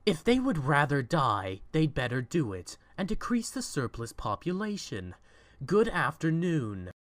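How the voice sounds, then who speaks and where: A man's voice: fairly high pitch, huge pitch swings, measured pace, no room sound. A man playing a cold, miserly, irritable company boss in a fan audio drama, curt and scornful. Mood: irritated.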